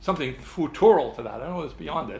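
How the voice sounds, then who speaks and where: Vocal fry runs through a man's voice with an American accent. The room echo is audible. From US. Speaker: philosopher leading a seminar. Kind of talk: seminar lecture. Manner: halting, with many repetitions.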